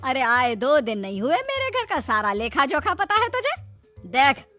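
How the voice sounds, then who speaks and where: A woman's voice: high-pitched, huge pitch swings, moderate pace, sharp tone, faint music behind, exaggerated voice. Woman playing a scolding stern mother-in-law. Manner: taunting, scolding. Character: sharp-tongued middle-aged mother-in-law, stern and scolding. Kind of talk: melodramatic family skit.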